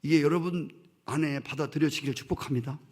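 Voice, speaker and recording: A man preaches from the pulpit with a fairly high, husky voice. He is emphatic, turns to his listeners with direct questions, and slips into stern quoted voices as he makes his point. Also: quick pace, a little mellow. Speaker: pastor. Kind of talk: sermon.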